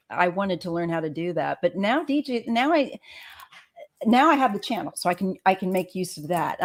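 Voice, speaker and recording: An older woman hosting a casual live chat, encouraging her guest with frequent affirmations. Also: on the low side. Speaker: host.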